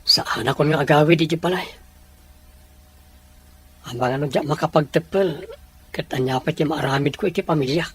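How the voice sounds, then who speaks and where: Man acting as hurt young man, proud, husky tenor-leaning voice, audio drama dialogue. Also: on the high side, moderate pace, pauses often. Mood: downcast, earnest.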